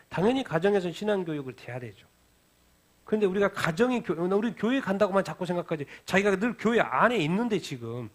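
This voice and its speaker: A male pastor preaching a midweek sermon, asking the congregation questions, answering them himself, and repeating key phrases for emphasis. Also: fairly high pitch. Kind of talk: midweek Bible-reading sermon. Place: church sanctuary.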